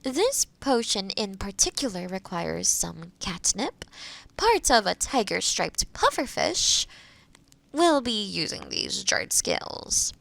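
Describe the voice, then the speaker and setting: A woman playing a kind, gentle forest witch in a roleplay audio, explaining potion work softly and caringly to the listener. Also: medium pitch, big pitch swings, takes it slowly, creaky, exaggerated voice. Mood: cheerful, explaining. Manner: soft, caring, hesitant, explaining patiently.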